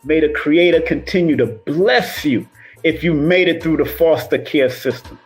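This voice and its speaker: At a moderate pace, a man with a fairly high-pitched voice delivers a casual motivational monologue to live viewers as a numerologist. His heritage is Cuban and Jamaican; he rolls his R's, stays emphatic and repetitive, and faint music sits behind him.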